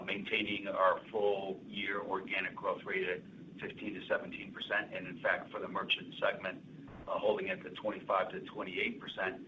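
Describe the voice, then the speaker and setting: A man speaking as a company executive, giving measured financial commentary on an earnings call. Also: sits low. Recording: noisy, thin phone-line sound.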